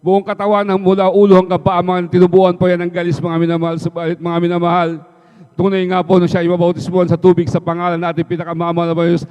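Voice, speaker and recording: Isang lalaking may puntong Pilipino na nagpapatotoo sa isang pagsamba, paulit-ulit na sinasabing "mga minamahal" sa bawat parirala, sa mahabang alingawngaw ng bulwagan ng simbahan na mapurol ang tunog. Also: male voice, sits high, completely flat delivery, fast, a little mellow, smooth. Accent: Filipino. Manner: repeats "mga minamahal" after nearly every phrase. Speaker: church member giving testimony. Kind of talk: testimony in a church service. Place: church hall. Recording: reverberant, dull live stream audio.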